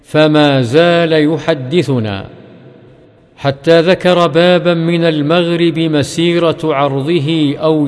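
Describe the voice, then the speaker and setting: A man chants religious narrations in a slow, melodic recitation. His voice sits slightly high and unhurried. A long reverb trails behind every phrase. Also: darkish tone. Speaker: hadith reciter.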